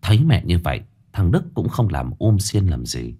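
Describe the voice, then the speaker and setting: A man's voice: deep voice, big pitch swings, moderate pace, mellow, breathy edge. A man narrating a horror story in a dramatic, ominous scripted reading.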